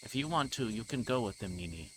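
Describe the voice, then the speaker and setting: A man's voice: medium pitch, expressive, fast, background noise, lightly acted. A man reading the part of a stubborn, mischievous young girl from a visual novel. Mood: sulky, stubborn.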